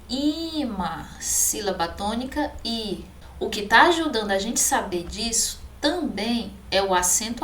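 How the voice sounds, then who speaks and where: A Brazilian-accented woman gives a recorded class at a very unhurried pace, stretching out key words so students can hear them. Her voice rings in an echoey room. A faint hiss sits behind her. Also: mid-range voice, fairly bright tone. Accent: Brazilian Portuguese. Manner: slow, careful, stretches example words. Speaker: teacher.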